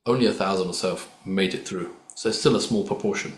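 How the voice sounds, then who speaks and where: A low-pitched man who talks fast appears as a singer guest on a podcast, speaking easily and thoughtfully in casual conversation. His first language is not Hindi or Urdu, and he comes across as reflective and easygoing, drawing sports comparisons. The room is echoey, with faint ambient noise.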